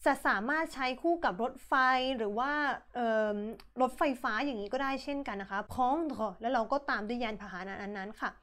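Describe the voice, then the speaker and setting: A young woman teaches a language lesson in a fairly high voice. She explains things at length, then slows right down to model each example phrase clearly. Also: lively intonation, a bit bright.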